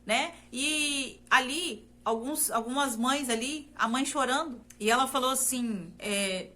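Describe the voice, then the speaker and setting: A woman from Brazil recounts her personal faith testimony in an unhurried, high, pushed and bright voice. She is earnest and repetitive and often addresses those listening directly.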